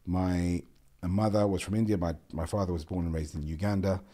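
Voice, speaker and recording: A man's voice: low-pitched, a little fast. A man in his forties with a South London accent, a podcast guest talking earnestly in a casual interview, often repeating his words. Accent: South London English. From South London, England. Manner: earnest, repeats words, animated with hand gestures. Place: small bright studio room with a window. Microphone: boom-arm podcast microphone.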